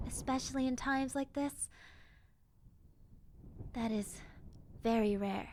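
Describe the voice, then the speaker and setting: A woman voicing a friendly, gentle, wistful young zombie girl in a roleplay monologue, speaking softly and hesitantly with childlike sincerity. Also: high-pitched, slow, a little hiss or hum, pitched above the performer's own voice. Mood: gentle, apologetic. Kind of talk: roleplay audio drama monologue.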